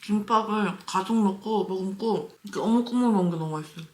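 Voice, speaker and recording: A woman's voice: medium pitch, quick pace. A woman chatting casually to viewers as a mukbang vlogger, talking while chewing with her mouth often full, dropping in murmured, savoring asides. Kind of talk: casual eating-show chat to viewers. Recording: roomy echo, faint noise with clicks.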